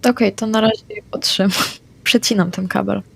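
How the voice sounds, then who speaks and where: Female player, mid pitch with vocal fry, casual game talk. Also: fairly even intonation, moderate pace. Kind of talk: casual tabletop play.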